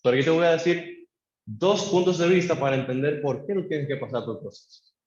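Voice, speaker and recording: A man's voice: a little fast, darkish tone. A man preaching a sermon in church, acting out pleading prayers and leading the congregation in call-and-response. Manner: acts out a believer's pleading prayers to God. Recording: echoey church room, dull low-fi sound.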